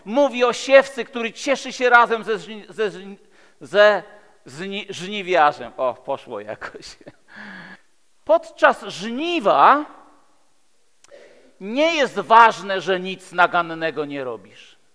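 A very animated, slow, high male voice delivers an emphatic, rhetorical sermon, the speaker a Polish man in his fifties who repeats phrases and swings between loud and hushed. He speaks from a pulpit in a large church hall, recorded with echo and long reverb.

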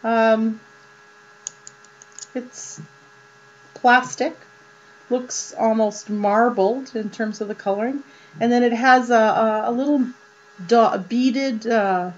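A woman with a slightly high voice talks slowly and casually as she shows off jewelry, filling pauses with ums and uhs. The sound is dull and lo-fi, with a mains hum underneath. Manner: slow and chatty, many ums and uhs. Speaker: jewelry vlogger. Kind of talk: casual show-and-tell.

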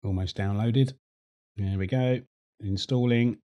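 A middle-aged man hosting a screen-recorded tech tutorial, chatty and relaxed, repeating words as he works. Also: on the low side, unhurried, highs cut off.

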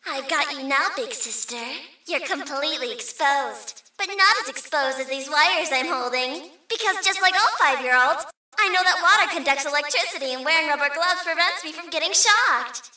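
A woman's voice: sits high, moderate pace, bright, forceful tone, dry recording. A woman voicing a scheming five-year-old boy in an anime parody, taunting and smug with precise phrasing.

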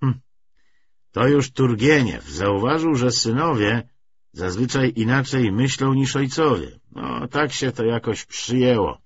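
A man reading aloud the part of a good-natured but evasive young man, halting and musing as he talks. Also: medium pitch, animated, dull audio, slight background noise, voice pushed up. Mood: evasive, thoughtful.

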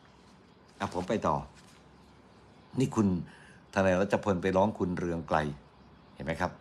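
A man's voice: sits low, measured pace. A middle-aged man from Thailand giving casual, argumentative morning news commentary on radio, chatty and quoting his critics mockingly.

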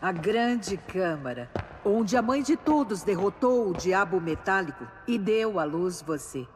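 An actress playing a devout, solemn old tribal matriarch in a video game, earnest and reverent. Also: female voice, mid-range voice, expressive, measured pace, a little hiss or hum, lightly acted.

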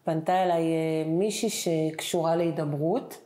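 A middle-aged woman, an interview guest, tells her personal story with emotion and acts out the conversations she recalls. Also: low-pitched. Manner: animated, acts out the dialogue she retells. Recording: roomy echoing room.

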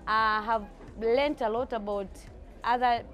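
A woman's voice: on the high side, steady tone, measured pace, a bit bright, lo-fi sound. A woman from Tanzania, a company CEO, speaking earnestly in an interview. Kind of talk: interview testimonial.

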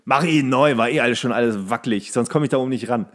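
A man's voice: mid-range voice, quick pace, fairly bright tone. A man co-hosting a podcast, rambling enthusiastically in casual, slangy, comedic chat. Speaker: podcast co-host.

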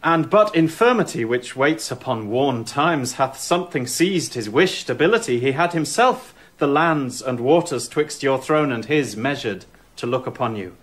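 An actor playing a young prince in a radio drama, speaking with formal, measured courtesy. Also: male voice, medium pitch, lively intonation, a bit bright, close to an everyday voice. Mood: courteous.

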